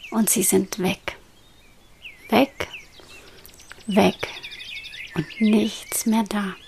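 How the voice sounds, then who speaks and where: Slow whispering woman guiding hypnosis. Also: medium pitch, fairly even intonation, creaky, darkish tone, a little hiss or hum. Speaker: hypnosis guide. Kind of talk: guided hypnosis meditation.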